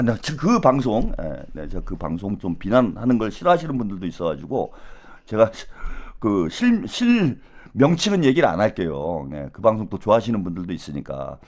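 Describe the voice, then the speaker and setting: A man hosting a live political stream, ranting angrily with coarse words and rhetorical questions, dropping to a low mutter and then rising to loud outbursts. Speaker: political YouTube host.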